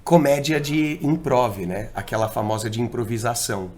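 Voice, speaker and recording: A man, co-hosting a casual podcast. He explains dating advice in an animated, slangy way, with many examples. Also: medium pitch, moderate pace. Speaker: podcast co-host and dating coach.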